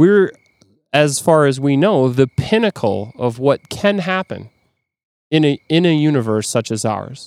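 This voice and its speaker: Lively intonation marks this man's fairly high-pitched voice, which carries an American accent. He talks at a fairly slow pace. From Rochester, Minnesota. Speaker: atheist guest. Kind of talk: casual discussion. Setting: outdoors in a backyard.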